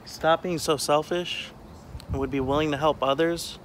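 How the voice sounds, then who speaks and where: A man's voice: a little high, steady tone, moderate pace. A young man talks earnestly to his phone camera while walking around an abandoned motel outdoors. He sounds casual but preachy when making a point, with a faint background hiss. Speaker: vlogger exploring abandoned buildings. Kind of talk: casual vlog chat. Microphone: phone camera held at arm's length.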